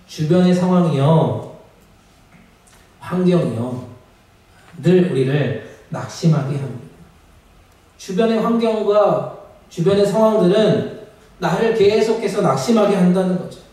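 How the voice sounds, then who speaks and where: Korean pastor preaching in echoey sanctuary. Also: male voice, sits high, expressive, measured pace, long pauses, dark tone. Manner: call-and-response preaching, rising to emphatic peaks. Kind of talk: sermon. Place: church sanctuary. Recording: echoey sanctuary, mic at a distance.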